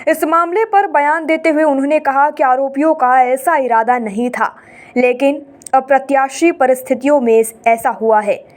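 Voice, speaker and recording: A woman news anchor reading a scripted bulletin in a brisk, formal manner. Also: high-pitched.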